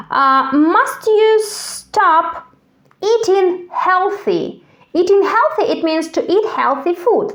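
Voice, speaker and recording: A woman from Kazakhstan whose first language is Russian, teaching an English lesson and repeating each phrase slowly and clearly for learners to echo. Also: high voice, a bit bright. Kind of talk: slow drill-style language lesson.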